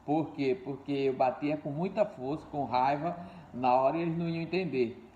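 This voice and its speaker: Older preacher guy, kinda high voice but mellow, keeps repeating himself, echoey hall. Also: normal speed, slight background noise. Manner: repeats key words, addresses listeners as dear ones and brothers. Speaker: pastor. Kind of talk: sermon. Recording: echoey room, dull lo-fi sound.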